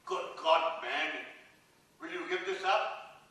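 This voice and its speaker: A man's voice: on the high side, slow, bright, forceful tone. A man playing a reserved, weary mathematician with a clipped, formal manner in a staged play reading. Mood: urgent pleading. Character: Hardy, reserved, weary male mathematician defending his work. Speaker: actor in a dramatised play reading. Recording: echoey hall, distant microphone.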